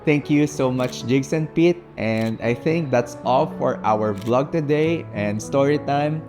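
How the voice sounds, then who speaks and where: A man's voice: mid-range voice, unhurried. A man with a Filipino accent, a native Tagalog speaker, narrating a storytime vlog. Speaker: vlogger. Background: background music.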